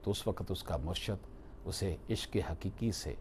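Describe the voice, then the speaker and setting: A man delivering a scripted devotional talk in a solemn, deliberate way, phrase by phrase. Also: deep voice, a little mellow, a little hiss or hum. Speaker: religious speaker.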